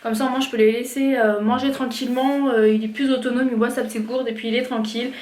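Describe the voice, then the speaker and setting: A woman with a high voice talks through her shopping haul in a loose vlog chat, often losing her thread and starting over. The room is echoey and there is a faint hiss. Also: fairly even intonation, fast talker, darkish tone, recorded from a distance. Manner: chatty, loses track and restarts mid-sentence. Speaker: vlogger showing a shopping haul. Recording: roomy echo, faint noise.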